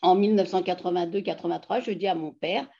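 A woman's voice: lowish voice, fast talker, creaky. A woman in her fifties from France, telling her life story animatedly in a casual video-call interview from home. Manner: animated, emphatic storytelling with many fillers. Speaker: interviewee, feminist activist. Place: home living room. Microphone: laptop webcam mic on video call. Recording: dull lo-fi video call audio.

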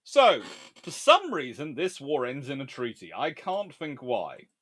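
A male history lecturer on a livestream, talking in a lively, swooping voice that jumps high and drops low. He is sarcastic and wanders into asides, but keeps returning to his lesson. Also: a little slow, husky. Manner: animated, sarcastic and digressive.

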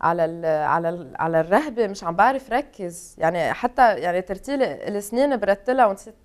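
A woman with a Lebanese accent, a guest singer chatting on a television faith talk show in quick, eager bursts. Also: medium pitch, expressive.

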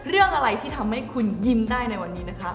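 A young woman presenting a promotional interview in an animated, giggly manner as host and interpreter. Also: on the high side, fast. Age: young adult. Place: indoor studio set, seated. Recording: roomy reverberant studio, music behind.

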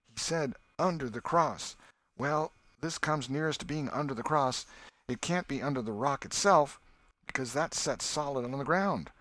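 A man's voice: mid-range voice, normal speed, no echo, pitched above the performer's own voice, natural voice. A man reading an audiobook, voicing an eager, bossy boy who leads a gang and lectures his friend. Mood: puzzling. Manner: excited, bossy, know-it-all. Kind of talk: audiobook character voice.

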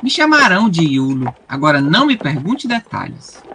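A man's voice: on the high side, big pitch swings, moderate pace, sharp tone, slight background noise, full character voice. A Brazilian man playing a cocky, playful teenage prince in a comedic audio drama. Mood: boastful, scheming. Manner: playful, boastful. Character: cocky teenage prince, dreamy girl-chasing schemer.

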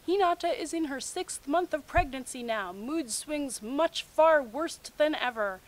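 Sarcastic young woman with a high voice. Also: low-quality recording. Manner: sarcastic, incredulous asides. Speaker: host of a comic fan fiction reading series. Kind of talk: reading fan fiction aloud with mocking commentary.

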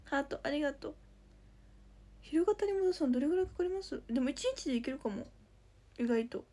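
A woman's voice: sits high, lively intonation, brisk, dark tone. A young woman, sleepless after no night's rest, chatting casually on a phone livestream, thanking viewers in a chirpy voice and sometimes whispering. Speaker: idol trainee livestreamer. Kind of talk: casual livestream chat reading viewer comments. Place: indoors at home.

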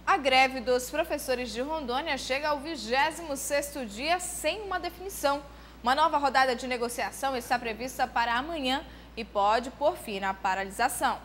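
Woman anchor, formal news read, high pitch, faint noise. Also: normal speed, fairly bright tone. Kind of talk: scripted news reading.

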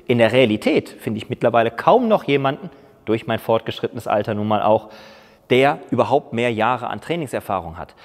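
A man's voice: mid-range voice, fairly quick. A man in his forties, a fitness trainer, talking emphatically to camera in a large indoor gym. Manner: emphatic, argumentative, lively gestures. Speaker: fitness YouTuber. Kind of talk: opinionated monologue to camera. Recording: long reverb in a big gym hall.

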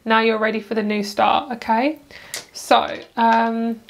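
A chatty woman with a slightly high voice reads tarot cards at home. She rambles cheerfully, stops herself mid-thought and wanders into side comments before getting back on track. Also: flat delivery, measured pace, vocal fry, slight background noise. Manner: chatty, rambling, self-interrupting with asides. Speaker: tarot reader. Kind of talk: casual pick-a-card tarot reading.

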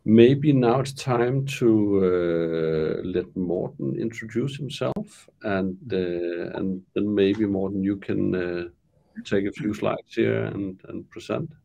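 Executive reporting to investors on a video call; low, slow, gravelly voice, halting delivery. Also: male voice, warm tone. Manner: halting, many fillers and repeats. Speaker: company executive. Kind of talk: investor presentation.

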